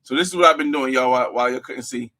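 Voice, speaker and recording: A man's voice: medium pitch, racing, bright, forceful tone, slight background noise. A man YouTuber giving casual live-stream commentary to his viewers, muttering to himself as he edits at a desk mic. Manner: laid-back, talks to viewers as "y'all", mutters while working.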